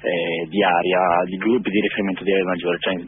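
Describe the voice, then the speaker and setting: Deep-voiced man on a tinny phone line. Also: level tone, slight background noise. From north-east Italy. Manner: halting, many filler pauses. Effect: heard over a phone line. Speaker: phone-in correspondent. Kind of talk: political radio commentary.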